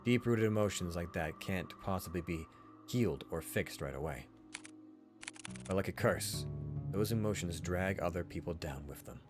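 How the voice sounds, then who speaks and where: A serious, guarded detective from a visual novel , played by a man, with a fairly low voice. He speaks in a measured, deliberate and composed way over music. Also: natural voice. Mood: grave, reassuring. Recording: music behind the voice.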